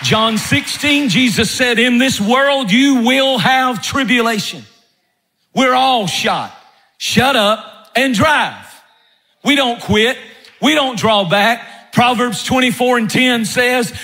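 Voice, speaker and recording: A man preaching a sermon as pastor, emphatic, dropping his voice low when telling a story. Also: pushed and bright.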